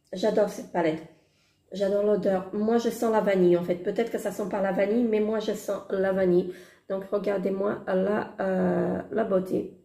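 A woman with a hoarse voice, chatting hesitantly through a makeup haul with many fillers and gushing exclamations. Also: medium pitch, dark tone, reverberant. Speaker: beauty vlogger. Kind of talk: casual makeup haul chat. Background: construction noise.

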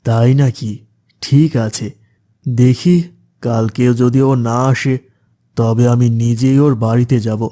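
A man voicing a calm, instructive male religious teacher in a cartoon. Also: mid-range voice, slow, pauses often, lightly acted.

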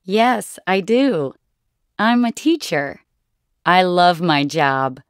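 Smooth-voiced woman reading slowly. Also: lowish voice, lively intonation, no echo, studio quality. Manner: slow, clearly enunciated. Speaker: dialogue reader. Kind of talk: scripted language-lesson dialogue.

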